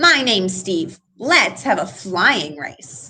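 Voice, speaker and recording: A woman's put-on character voice, medium in pitch and very slow. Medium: read story. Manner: bright, friendly.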